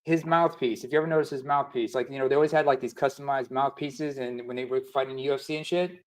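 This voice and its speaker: A man on a casual panel chat, teasing the others and trailing off into quieter asides. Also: mid-range voice, fairly even intonation, fast talker. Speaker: panel guest.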